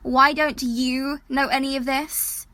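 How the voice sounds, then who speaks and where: A woman's voice: sits high, level tone, slow, pushed and bright, dry recording, heavily acted. A woman playing an exasperated, sceptical young woman in an audio drama, sarcastic and matter-of-fact.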